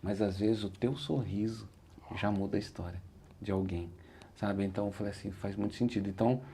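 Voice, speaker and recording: His voice is lowish, mellow and steady, and he talks a little fast, with a little hiss or hum audible. The man is a motivational speaker with a Brazilian Portuguese accent, earnestly reflecting on his story in an interview and repeating "said like this" when he quotes himself.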